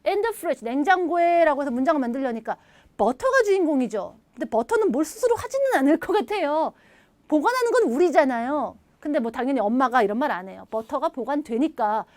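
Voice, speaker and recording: A high-pitched woman delivers an English grammar lesson with animated energy, coaxing students to repeat sentences after her. The sound is dry and close, with no room behind it. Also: brisk, dry recording. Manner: lively, animated, leads repeat-after-me drills; acts out little dialogue lines in playful voices. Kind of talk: recorded video lecture.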